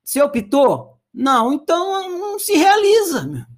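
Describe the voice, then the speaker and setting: A man's voice: extremely high pitch, sing-song, unhurried. A man, hosting a music talk show, telling a folk tale and commenting in a blunt, slangy way. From Brazil. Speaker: podcast host and music commentator. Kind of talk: storytelling and casual commentary.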